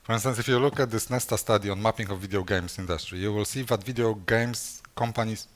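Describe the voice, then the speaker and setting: Talking fast in a lowish voice, a man responds to audience questions at a conference, hesitating often. He fills his speech with fillers and keeps restarting his sentences.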